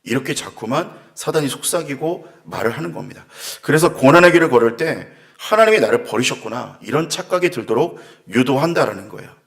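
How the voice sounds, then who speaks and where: A man's voice: mid-range voice, expressive, fairly quick, hardly any pauses. A man preaching a sermon as pastor, earnest and reflective, with sighing asides as he muses aloud. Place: church.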